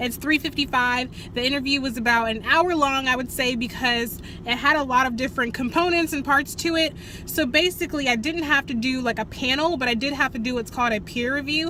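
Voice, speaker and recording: With noticeable background noise around her, a woman projects a raised, high-pitched voice at a fairly quick pace and with ordinary pitch variation. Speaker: vlogger. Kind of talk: casual vlog chat. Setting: in a car in a parking lot. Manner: fast.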